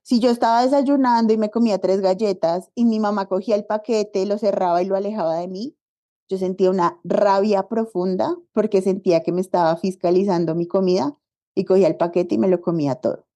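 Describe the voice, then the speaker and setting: Woman, podcast guest; relaxed, mellow voice, chatty and expressive. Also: mid-range voice, fairly quick. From Colombia. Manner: animated storytelling, acts out quoted dialogue. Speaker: podcast guest, body diversity activist. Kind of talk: casual conversational interview.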